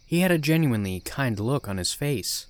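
A man narrating a first-person horror story as the podcast's narrator, in a calm, even telling. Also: medium pitch, moderate pace.

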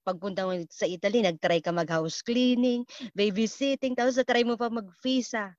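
A woman's voice: a little high, normal speed, darkish tone, no echo, lo-fi sound. A woman podcast host who reacts openly and finishes her guest's sentences. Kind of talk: casual interview.

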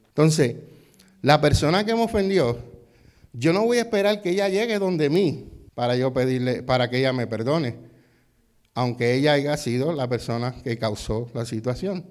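A male pastor preaching a sermon, asking the congregation questions and answering them, with repetitive, emphatic rising delivery. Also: on the high side.

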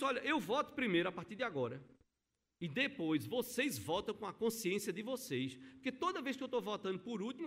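Animated high-voiced male preacher. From Brazil. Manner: storytelling, acting out quoted voices, emphatic. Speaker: pastor. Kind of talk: sermon. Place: church sanctuary.

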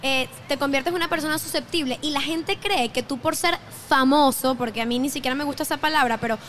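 A woman's voice: high-pitched, quick pace, a bit bright, a little hiss or hum. A young woman with a Venezuelan accent, a podcast guest talking casually and often restarting her sentences. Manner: chatty, self-correcting, laughs easily. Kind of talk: casual interview chat.

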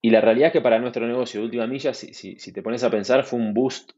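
Husky and fast-talking at a medium pitch, a man from Argentina appears as a startup manager in a conversational interview. His Argentine Spanish flows easily and fluently despite many restarts and fillers, captured in a muffled recording.

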